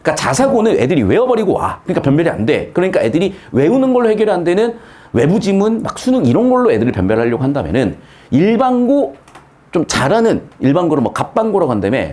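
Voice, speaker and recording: A middle-aged man teaching grammar in a casual lecture, asking rhetorical questions and dropping blunt slangy asides. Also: fast talker. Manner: lively, swings pitch widely, asks rhetorical questions, blunt slangy asides. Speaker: Korean grammar tutor.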